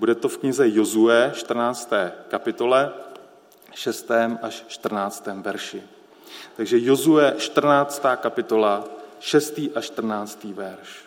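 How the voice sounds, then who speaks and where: Pausing long and often, a man of medium pitch speaks at a very slow pace with ordinary pitch variation. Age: 40s. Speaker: pastor. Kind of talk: sermon.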